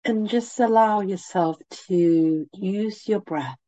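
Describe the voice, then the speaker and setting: A woman with a head cold and a nasal voice, leading a guided meditation with gentle, soothing instructions. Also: medium pitch, slow, dry recording, lo-fi sound.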